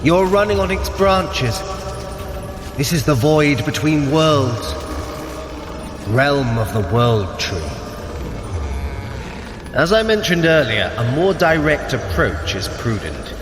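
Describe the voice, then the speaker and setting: An actor playing a sly, haughty trickster god in an audio adventure, precise, formal and theatrical. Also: male voice, on the high side, big pitch swings, slow, pauses often, echoey room, big-room sound, noisy background. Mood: haughty, urgent. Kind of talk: scripted audio adventure acting.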